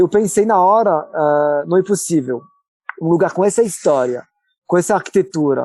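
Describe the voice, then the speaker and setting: This man has a high pitch and a dark, mellow tone, with ordinary pitch variation. He moves at a moderate pace, broken by long, frequent pauses. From France (Paris). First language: French (speaking Portuguese). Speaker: executive director of a cultural center. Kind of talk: podcast interview. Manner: hesitant, many fillers.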